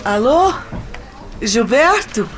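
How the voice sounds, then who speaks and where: High-voiced, hesitant young radio soap heroine. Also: female voice, big pitch swings, a little hiss or hum, exaggerated voice. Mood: feigned cheer. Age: young adult. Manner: hesitant, halting. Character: anxious young woman feigning cheer as her jealous sister. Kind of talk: radio soap opera acting.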